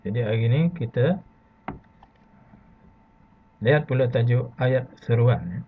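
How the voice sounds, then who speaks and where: A Malaysian man teaching an online lesson to primary pupils, patient and slow, adding "ya" after nearly every phrase. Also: medium pitch, slightly rough. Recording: phone-like lo-fi audio.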